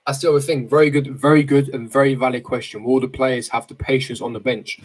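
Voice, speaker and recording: A young man of about eighteen talks casually to a livestream chat at a mid pitch. He is slangy and opinionated, often repeating a phrase to press his point. The voice is picked up by a desk microphone in a bedroom. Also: level tone, fast talker, husky. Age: 18, late teens. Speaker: football fan streamer. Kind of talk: casual livestream chat, reading and answering viewer comments. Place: small bedroom, indoors. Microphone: desk microphone close in front.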